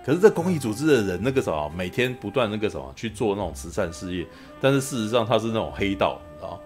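Podcast host, a man: rambly and chatty, lots of laughing, on the low side. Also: big pitch swings, fast talker, faint music behind. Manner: rambling, constant "you know" tag questions, frequent laughter. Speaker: podcast host reviewing a film. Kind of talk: casual chat.

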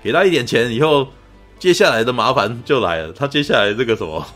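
A man hosting a podcast, retelling a film in animated casual chat and often asking his listeners whether they follow. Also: medium pitch, fast, soft background music. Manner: animated storyteller, keeps asking "you know?". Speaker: podcast host.

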